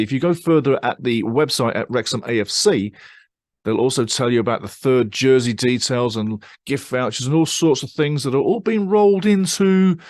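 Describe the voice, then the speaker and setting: A man's voice: medium pitch, no echo, clean studio sound. Upbeat man hosting a football fan show. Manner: upbeat hype-man, punchy exclamations, repeats himself. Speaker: fan channel host. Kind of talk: casual pre-match football show talk.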